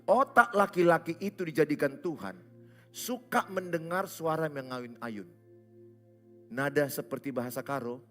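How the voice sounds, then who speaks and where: A man's voice: fairly high pitch, normal speed, soft background music. A man from Indonesia, preaching a humorous sermon as a pastor, often acting out little dialogues. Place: church stage.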